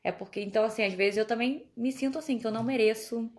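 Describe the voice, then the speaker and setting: A young woman from Brazil talks in a relaxed, chatty way, often breaking into laughter. Her voice sits a little high. She tells her stories with easy warmth in a casual conversation. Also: fast. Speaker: guest on a podcast.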